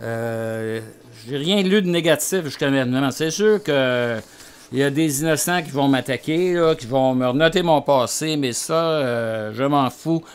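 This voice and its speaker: Speaking with a Quebec accent, a man talks at a very slow pace. His pitch is fairly high, with ordinary variation. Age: 70s. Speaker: political commentator, former journalist. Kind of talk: radio interview. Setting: radio studio.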